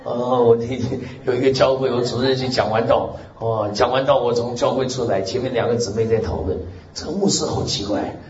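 A male pastor preaching a lively sermon with a loud, strong voice, exclaiming amen and hallelujah and laughing along. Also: mid-range voice, brisk, hardly any pauses, a crowd in the background. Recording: roomy, muffled recording with faint hiss.

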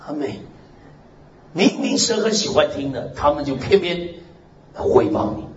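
A male pastor preaching a lively sermon with a loud, strong voice, exclaiming amen and hallelujah and laughing along. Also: a little high, measured pace. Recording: roomy, muffled recording with faint hiss.

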